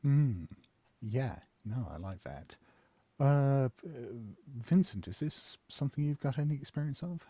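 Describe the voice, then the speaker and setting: A man's voice: medium pitch, expressive, measured pace, mellow, no room sound. A man moderating a convention panel, brief and encouraging as he hands over to guests.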